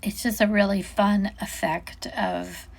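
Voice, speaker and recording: Woman doing a casual crafty walk-through, slow relaxed pace, mid pitch, kinda thinking out loud. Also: creaky. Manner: chatty, musing aloud, self-interrupting. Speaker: digital sticker designer giving a product walk-through.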